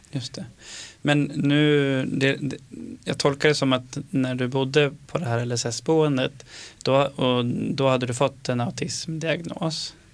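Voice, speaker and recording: A speaker talks at a fairly slow pace with fairly even intonation over noticeable background noise. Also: man, fairly high pitch for a man. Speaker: podcast host, psychologist. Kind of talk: casual interview.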